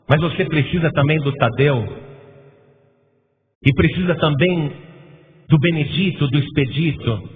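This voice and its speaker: A man with a Brazilian Portuguese accent preaching a sermon as pastor, building to loud, emphatic repeated lists. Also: fairly high pitch. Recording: tinny phone-like sound with long reverb and faint noise.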